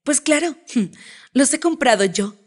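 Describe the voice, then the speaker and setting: Lively girlfriend role, bright-pitched, narrator's voice. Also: takes it slowly. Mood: playful.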